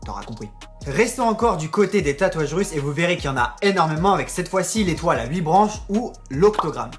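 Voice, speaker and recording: A man's voice: a little high, very animated, fairly quick, soft background music. Chatty French-speaking man hosting a vlog. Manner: chatty, addresses viewers directly, joking asides. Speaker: tattoo YouTuber. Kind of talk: casual explainer vlog.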